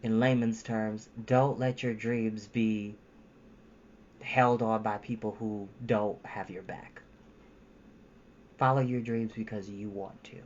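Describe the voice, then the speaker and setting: A woman's voice: extremely low pitch, fairly even intonation, slow pace, pauses often, a little mellow, lo-fi sound, a little hiss or hum. A woman talking casually to her viewers as a storytime host, in an informal, emphatic, encouraging way.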